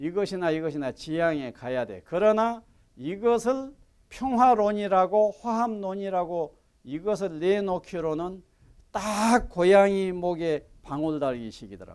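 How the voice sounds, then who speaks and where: A man talks fairly slowly with lively intonation on a very clean recording with a silent background. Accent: Jeolla. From Jeolla region, Korea. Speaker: Buddhist monk and meditation teacher. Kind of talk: dharma lecture. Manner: conversational, colloquial.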